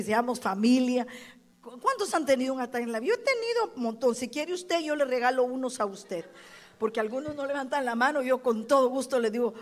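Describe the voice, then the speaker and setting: Mujer predicando con voz aguda. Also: female voice, on the high side. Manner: animated preacher, acts out quoted voices, calls on congregation. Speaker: pastor. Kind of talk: sermon.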